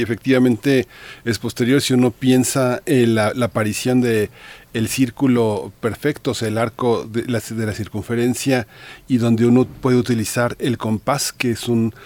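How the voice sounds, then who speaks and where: Man, interviewer, thoughtful, long questions, mid pitch. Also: a little mellow.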